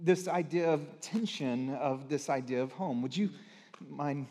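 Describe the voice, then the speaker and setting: Male pastor, high-pitched, friendly welcome, reverberant church hall. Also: unhurried, mellow. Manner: upbeat and friendly, addressing the congregation. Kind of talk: sermon introduction. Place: church sanctuary.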